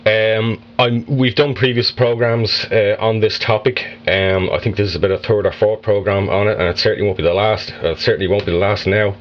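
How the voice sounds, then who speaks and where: Halting low-voiced male interviewer. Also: steady tone, dull audio, a little hiss or hum. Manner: halting, many fillers and restarts. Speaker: podcast host. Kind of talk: interview questions.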